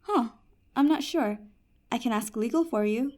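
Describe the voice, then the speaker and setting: A woman plays a helpful genie at a magical support desk in a fantasy audio comedy. The voice is fairly high, and the manner is patient, professional and wry. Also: moderate pace, darkish tone, natural voice. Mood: efficient, helpful.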